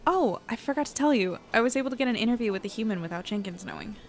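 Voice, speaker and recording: An actress playing an earnest, slightly uncertain newspaper reporter, talking in a natural, conversational way. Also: female voice, fairly high pitch, lively intonation, rapid-fire, soft background music. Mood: casual, guarded. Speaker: young reporter. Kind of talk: naturalistic audio drama acting.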